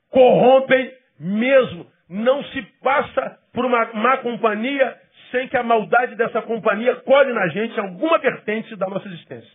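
A male pastor preaches a sermon with a fairly high, husky voice. He leans hard on key phrases, then falls to soft, low asides. The recording is thin and phone-like. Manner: emphatic preaching with sudden drops to quiet, low asides; acts out quoted people in quick bursts.

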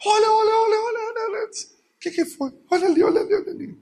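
Preacher voicing a frantic young son shouting. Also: male voice, very high voice, quick pace, pitched above the performer's own voice. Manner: shouting in alarm. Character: frantic young man crying out to his father.

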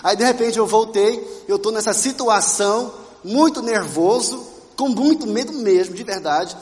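A man from Brazil preaches a testimony sermon with a light, high voice. He tells his story with animation and turns to ask the congregation questions. His voice rings out in a hall with a long echo. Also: a little slow. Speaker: pastor. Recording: reverberant church hall.

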